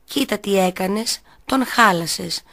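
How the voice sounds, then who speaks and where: A woman voicing a stubborn little girl who sulks and shouts. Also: mid-range voice, lively intonation. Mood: cross. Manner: sulky, shouting.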